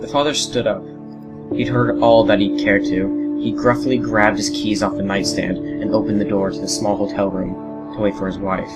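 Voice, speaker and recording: A man narrating a horror story in a dramatic scripted style, brooding and full of pauses. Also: lowish voice, flat delivery, rough recording. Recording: loud music bed under voice. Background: loud music.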